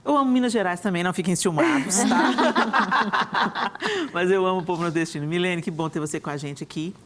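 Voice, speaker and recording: A woman hosts a TV talk show from a television studio, speaking enthusiastically with frequent restarts and tag questions. Her voice is on the low side and fairly bright, at a moderate pace.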